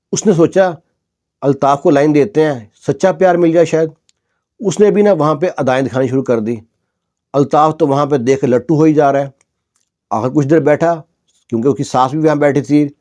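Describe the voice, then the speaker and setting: A man's voice: a little high, dark tone. A man telling a dramatic story in a conversational narrating manner, often adding little emphatic asides.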